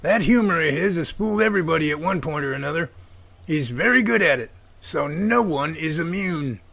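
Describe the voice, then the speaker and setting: Man acting as folksy older professor, bright gravelly voice, encouraging, radio play, dry sound. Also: a little high, animated, fairly quick, no room sound, full character voice. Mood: fatherly, encouraging. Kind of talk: amateur radio drama dialogue.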